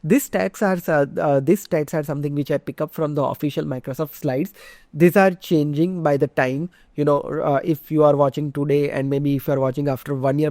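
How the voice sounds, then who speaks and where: A man in his thirties from India with an Indian English accent, teaching a software tutorial in a conversational way with many "you know"s and "uh"s. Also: fairly high pitch, no echo. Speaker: instructor. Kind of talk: screen-share tutorial lecture.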